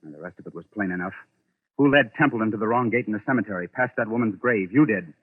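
An actor playing a shrewd, sardonic amateur sleuth with a probing, theatrical manner in a 1940s radio drama. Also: male voice, on the low side, animated, fast, slightly rough. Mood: sardonic, pressing. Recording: muffled, tinny 1940s radio recording.

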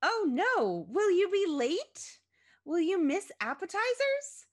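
A woman's voice: a little high, expressive, measured pace, a bit bright, pitched above the performer's own voice. A woman reading a story aloud and voicing an effusive, anxious, gushing mother with an overdramatic manner. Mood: melodramatic, anxious.

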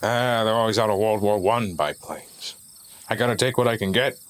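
A man playing an older, wily pilot and treasure hunter in an adventure audio drama, folksy, world-weary and unhurried. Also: on the low side, natural voice. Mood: wry warning.

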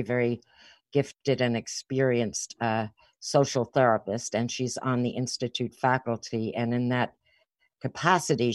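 A woman's voice: rumbling low, a little mellow, no room sound. A woman hosting a podcast, introducing guests with an enthusiastic, welcoming manner. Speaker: podcast host.

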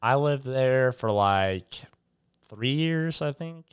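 A young man chatting casually on a podcast, telling rambling stories in a relaxed way and laughing often. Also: medium pitch, slow, smooth. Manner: rambling, laid-back storyteller, laughs a lot. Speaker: podcast co-host. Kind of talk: casual chat.

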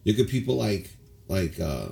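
Man, low voice, casual chat, rambling, opinionated, filler-heavy. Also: sing-song, normal speed, gravelly, dark tone. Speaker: podcast co-host.

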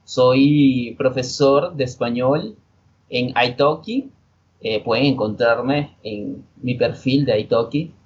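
Venezuelan man in his twenties, relaxed podcast guest explaining words, average pitch, slightly dull recording. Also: slow pace, a little hiss or hum. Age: 20s. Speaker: guest, Spanish teacher. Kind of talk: podcast interview.

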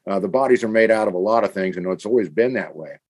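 A man's voice: on the low side, fast talker. An enthusiastic man from the American Midwest, co-hosting a casual scripted chat. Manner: enthusiastic, animated. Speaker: podcast co-host.

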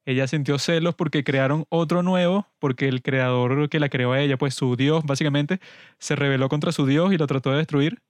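A man's voice: a little high, fairly even intonation, moderate pace, no room sound. A man hosting a casual film review podcast, talking in a wry, mock-serious way. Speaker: podcast host.

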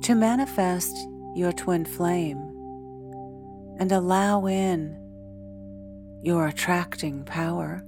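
A woman leading a guided meditation in a soothing, deliberate way, pausing often between short phrases. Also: lowish voice. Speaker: meditation guide, podcast host. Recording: background music. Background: soft instrumental music.

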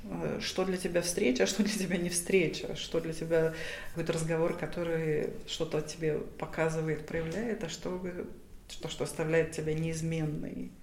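Woman, lowish voice, reflective, hesitant fillers, roomy echo. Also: little pitch movement, moderate pace, creaky, a little mellow, slight background noise. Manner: thoughtful, hesitant, many fillers and restarts. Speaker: academic guest. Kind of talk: reflective interview answers.

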